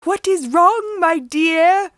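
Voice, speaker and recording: Fake granny villain female reader: high, sugary, elderly lilt, storybook wickedness in disguise. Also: slow pace, no echo, clean studio sound. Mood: falsely concerned. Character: evil man posing as a sweet, ailing granny. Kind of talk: dramatic storybook reading.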